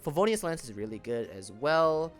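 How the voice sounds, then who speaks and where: A man's voice: a little high, big pitch swings, normal speed. Casual male gaming commentator over music. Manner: informal, conversational, explanatory. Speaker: gaming video creator reviewing game banners.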